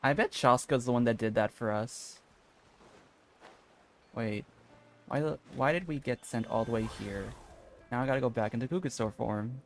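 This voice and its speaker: Male game streamer, young adult, mid-range pitch, chatty and casual, soft music behind. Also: moderate pace, pauses often.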